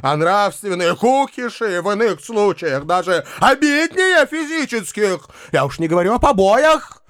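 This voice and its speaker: A man's voice: high voice, lively intonation, measured pace, fairly bright tone, clean tone, pitched above the performer's own voice. A man voicing a pompous, self-pitying male hypocrite in an audiobook, declaiming indignantly and melodramatically. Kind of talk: audiobook reading.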